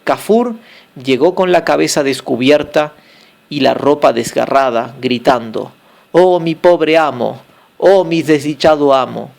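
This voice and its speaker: A man's voice: a little high, unhurried, gravelly, darkish tone. A man voicing a merchant's wife in a storybook, with plain, lightly acted dialogue. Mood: earnest. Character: merchant's wife, relieved and earnest.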